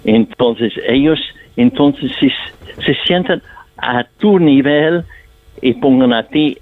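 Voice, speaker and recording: A man's voice: medium pitch, takes it slowly. An older man, a stage actor speaking Spanish as a second language, answering interview questions in a thoughtful, storytelling way. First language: not Spanish. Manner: thoughtful, storytelling, slightly non-native Spanish phrasing. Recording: tinny phone line, dry.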